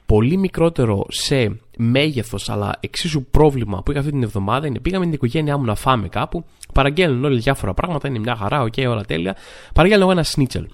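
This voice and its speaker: Male podcast host, animated comic storyteller, medium pitch, chatty. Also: creaky. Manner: animated, acts out other people's lines with jumps in pitch; chatty, full of filler phrases.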